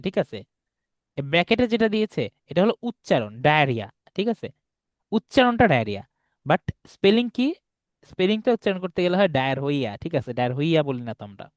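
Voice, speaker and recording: Male teacher on a video call, patient, keeps checking students follow, slightly high voice, dry sound. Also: no echo. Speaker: English teacher. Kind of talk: online class lesson.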